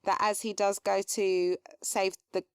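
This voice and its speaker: A woman co-hosting a podcast, explaining story points in casual, measured chat. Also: mid-range voice, flat delivery, clean tone, dry recording, studio quality. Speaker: podcast co-host.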